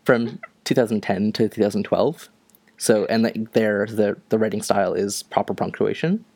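A young man from Ontario co-hosting a podcast, chatting casually in a halting way with many fillers. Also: on the low side, fairly even intonation, darkish tone, breathy edge. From Ontario, Canada. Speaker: podcast co-host. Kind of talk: casual chat.

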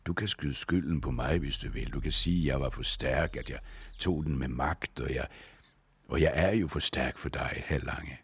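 A man's voice: a bass voice, breathy edge, exaggerated voice. A man reading a proud, desperate male warrior from a book, his lines turning from coaxing to accusing. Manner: pleading then accusing, forceful. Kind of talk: read-aloud book dialogue.

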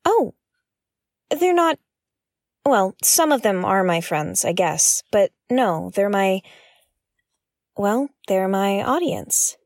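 A woman's voice: mid-range voice, big pitch swings, slow, long pauses, no room sound, studio quality. A woman playing a wary, frustrated investigative podcaster in an audio drama, speaking in a guarded, hesitant way. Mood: awkward, explaining. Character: wary, frustrated female investigative podcast host, dogged truth-seeker. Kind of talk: naturalistic audio fiction acting.

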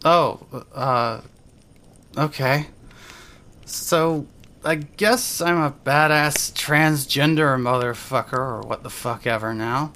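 A woman's voice: very deep voice, takes it slowly, fairly bright tone, exaggerated voice. An actress playing a self-loathing, tipsy, foul-mouthed young trans woman who rambles bitterly in an audio drama, with music behind her. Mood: rambling, tipsy. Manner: rambling, sweary, self-deprecating. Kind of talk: fandub audio drama, first-person monologue.

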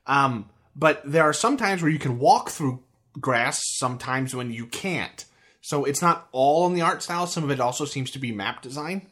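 A man's voice: mid-range voice, expressive, moderate pace, a bit bright. A man with an American accent, co-hosting a podcast about a video game in casual, rambling chat full of restarts. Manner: rambling, with frequent restarts and fillers. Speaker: podcast co-host.

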